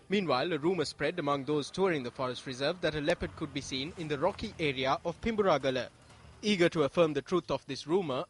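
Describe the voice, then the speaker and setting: A man's voice: fairly high pitch, a bit bright. A man reading scripted nature documentary narration in a formal, descriptive storytelling way.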